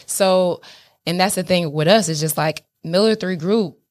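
A business owner being interviewed, this woman has a lowish, unhurried, darkish-toned voice and an African American accent. She talks candidly and casually, speaking emphatically, swearing often, and checking in with the listener.

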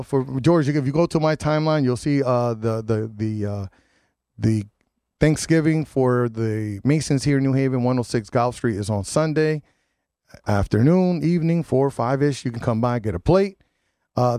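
A man's voice: medium pitch, a little mellow, no echo. A radio host with a head cold, sounding nasal, chatting loosely and joking with his studio guests. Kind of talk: casual community radio chat.

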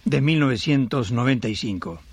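A man's voice: mid-range voice, animated, normal speed, darkish tone, husky, dry recording. An Argentine-accented man hosting a religious radio programme in scripted, folksy, rhythmic talk. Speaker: radio host.

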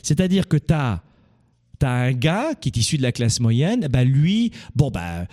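A man's voice: medium pitch, big pitch swings, measured pace, darkish tone. Emphatic man. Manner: rhetorical questions, answers them himself, emphatic. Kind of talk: opinionated monologue.

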